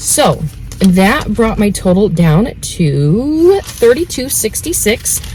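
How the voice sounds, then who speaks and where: A woman speaks very slowly at a medium pitch, with noticeable noise in the background. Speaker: couponing vlogger. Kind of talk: haul video tutorial. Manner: animated.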